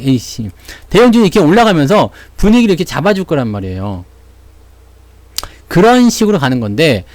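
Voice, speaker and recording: A man riffs on the stock market in a loose, blunt way, slipping in slang and acting out little imagined voices. His pitch sits a bit high and swings widely. The sound is close and dry, with no room around it. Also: a little mellow, no echo. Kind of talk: casual market talk to viewers.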